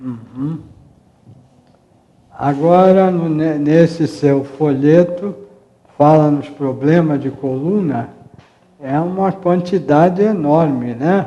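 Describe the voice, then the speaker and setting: Speaking very slowly with long, frequent pauses, a man uses a fairly high voice and ordinary pitch variation. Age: 70s. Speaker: TV show host. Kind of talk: interview.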